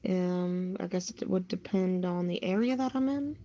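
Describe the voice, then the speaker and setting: A woman's voice: fairly low pitch, normal speed, mellow. An American woman chatting casually on a podcast in a hesitant, noncommittal manner. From United States. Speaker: podcast panelist. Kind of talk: casual chat. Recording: dull lo-fi voice call, background noise.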